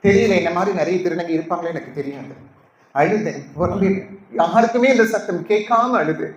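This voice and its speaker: A woman's voice: lowish voice, brisk, highs cut off. A trans woman preacher giving an emotional testimony to a congregation, pleading and asking the audience questions. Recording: echoey hall.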